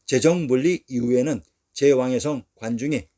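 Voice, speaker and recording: Dark-voiced man in formal history narration. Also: mid-range voice, normal speed. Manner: steady, formal reading cadence.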